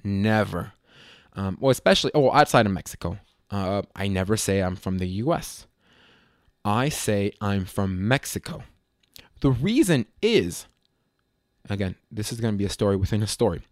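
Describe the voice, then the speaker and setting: A man's voice: lowish voice, animated, normal speed, no room sound, clean studio sound. A young man from Las Vegas telling a travel story in a rambling, slangy, self-correcting way. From Las Vegas, USA. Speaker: vlogger. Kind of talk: casual storytelling.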